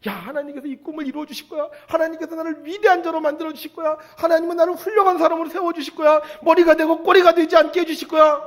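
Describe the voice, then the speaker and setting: A man voicing an eager, boastful young dreamer in a retold story, with his voice pushed high and loud. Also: steady tone, fast, hardly any pauses. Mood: elated. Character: excited young male dreamer, boastful and naive. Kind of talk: storytelling sermon.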